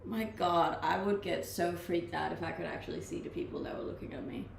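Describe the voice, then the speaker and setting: A young woman from Denmark speaks with a slight Danish accent, blended from the many countries she has lived in. She chats easily with her viewers and laughs often, and her voice has a gravelly edge. The room sounds echoey, with faint noise behind her. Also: on the low side, brisk. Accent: slight Danish, mixed from living abroad. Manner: laid-back, chatty, often laughing. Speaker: streamer. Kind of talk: casual chat reading live comments.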